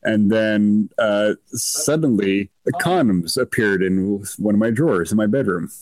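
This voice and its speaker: A man co-hosting a podcast, telling stories in a joking, relaxed way. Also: lowish voice, unhurried, rough recording. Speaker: podcast co-host. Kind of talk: casual chat.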